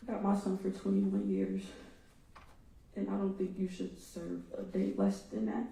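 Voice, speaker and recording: A woman's voice: mid-range voice, very animated, normal speed, creaky, dark tone. A middle-aged woman, a victim's mother, giving a raw, emotional impact statement in a courtroom and speaking straight to the defendant. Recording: echoey courtroom from far off.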